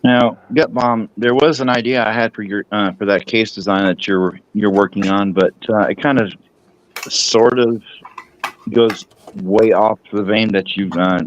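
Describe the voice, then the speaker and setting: Stream guest on phone video: a man with a low voice, muffled lo-fi audio, hesitant and casual. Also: steady tone, a little slow, slight background noise. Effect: joining by phone video stream. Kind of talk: casual chat.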